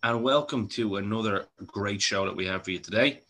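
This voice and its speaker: A man's voice: fairly low pitch, a little fast, sharp tone. A man hosting a horror film podcast, chatting casually, swearing and laughing easily. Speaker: podcast host.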